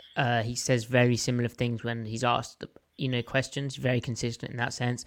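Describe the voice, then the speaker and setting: In an English accent, a man talks at medium pitch with monotone, flat intonation. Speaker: podcast host. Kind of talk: casual sports analysis chat.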